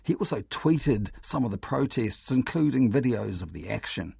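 A man presenting a radio media show, reading a measured scripted narration into a studio microphone. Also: mid-range voice, very animated, gravelly, heavy background noise.

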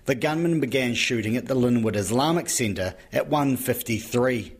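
Husky New news reporter, male. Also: medium pitch, moderate pace. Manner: even, scripted delivery. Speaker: court reporter.

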